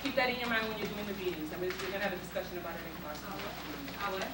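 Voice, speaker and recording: A woman's voice: mid-range voice, racing. A middle-aged woman teaching a college class, casually introducing a guest speaker from a sheet, taped by a far camera. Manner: casual, reads from a sheet, fillers. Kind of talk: classroom lecture. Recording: echoey room, from far off, hissy.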